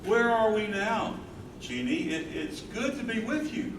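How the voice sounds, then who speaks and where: A man's voice: high-pitched, expressive, a little slow. A man in a staged play reading, playing an earnest, devoted young man courting his sweetheart with theatrical delivery. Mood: warm, hopeful. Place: live staged reading in a room. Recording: echoey room, distant mic, noisy.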